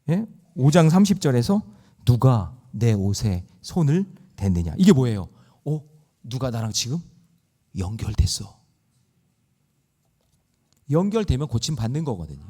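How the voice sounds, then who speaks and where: A man's voice: medium pitch, dark tone. A man preaching a sermon in church, acting out scenes and exhorting the congregation. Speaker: pastor. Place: church sanctuary.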